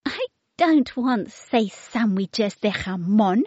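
A woman's voice: mid-range voice, lively intonation, slow, darkish tone, breathy edge, no echo, lo-fi sound. A woman voicing a demanding, picky talking baby girl with a whiny, giggly way of talking.

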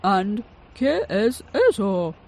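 An excitable time-travelling inventor from a children's storybook, booming and amazed at everything, as a woman puts him on. The voice swings widely in pitch, unhurried and a little husky. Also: heavily acted. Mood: astonished. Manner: loud, dramatic exclamations.

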